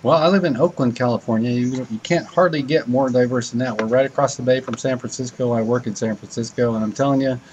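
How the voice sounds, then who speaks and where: A man's voice: medium pitch, fast talker, hardly any pauses, slight background noise, rough recording. A man from Texas with an American accent, interviewing in a casual chat as podcast host. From Texas, United States.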